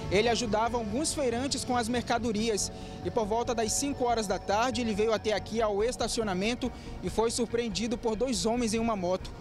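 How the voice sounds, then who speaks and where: A man with a Brazilian accent delivering a scripted TV news report in a formal, even tone. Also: very high-pitched, brisk. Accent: Brazilian Portuguese. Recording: TV news report with music bed.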